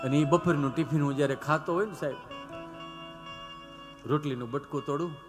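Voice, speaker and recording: A man performing comic storytelling live on stage, animated and constantly turning to the audience as 'sir' with rhetorical asides. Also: fairly high pitch, a little fast, over music. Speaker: stand-up comedian.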